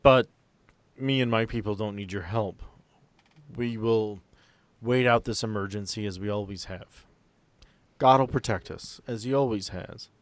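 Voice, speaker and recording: A man's voice: lowish voice, dry recording, lightly acted. Guy doing a devout middle aged landowner for a tabletop game, formal and stubborn, dry close sound. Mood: calmly defiant. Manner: formal, deliberate, unyielding.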